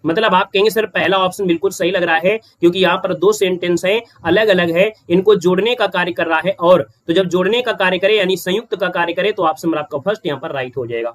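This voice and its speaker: A man teaching Hindi grammar in a live-streamed quiz class. He is brisk, keeps checking in with "right?" and greets viewers from the chat mid-lesson. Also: high voice.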